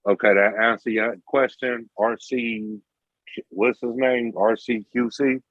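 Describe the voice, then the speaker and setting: A man's voice: medium pitch, fairly even intonation, a little slow, fairly bright tone, no room sound. A man from the United States talking in a blunt, drawling casual chat. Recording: dry, muffled lo-fi call audio.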